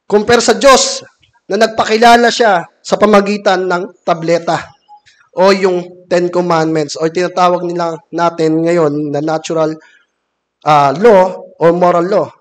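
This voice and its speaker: A Filipino man in his thirties preaching a measured sermon from a wooden pulpit in a church hall, reading scripture aloud. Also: sits high. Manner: measured, reads scripture from a laptop. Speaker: deacon preaching. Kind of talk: sermon mixing Filipino and English.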